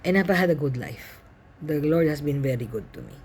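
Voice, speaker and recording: An older woman with a Filipino accent tells a personal testimony of her illness in a calm, matter-of-fact way, acting out the voices of others. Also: low-pitched, moderate pace, slight background noise. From Philippines. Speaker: cancer survivor sharing her story.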